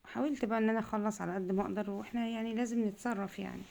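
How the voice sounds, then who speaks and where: Fast-talking gravelly Egyptian woman. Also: medium pitch, steady tone, a little mellow. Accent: Egyptian Arabic. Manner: chatty, rambling, homely. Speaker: home cooking vlogger. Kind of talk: casual cooking chat.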